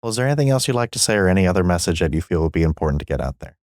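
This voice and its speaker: A man's voice: deep voice, very animated, racing, a little mellow, dry recording, clean studio sound. A man interviewing a guest, polite and appreciative as he wraps up. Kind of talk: interview wrap-up.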